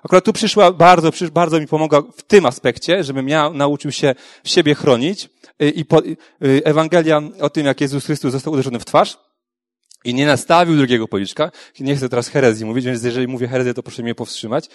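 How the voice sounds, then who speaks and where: A man's voice: a little high, fairly quick, no echo, studio quality. A man giving a frank, earnest personal testimony about faith, talking conversationally with frequent tag questions and restarts.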